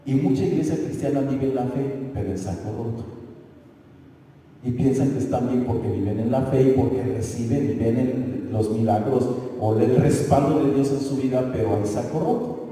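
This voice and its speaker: A man's voice: medium pitch, moderate pace, warm tone, slight background noise. A pastor preaching a sermon in a conversational way, often stopping to ask his listeners if they follow him. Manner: conversational preaching with rhetorical questions. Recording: echoey church hall from far off.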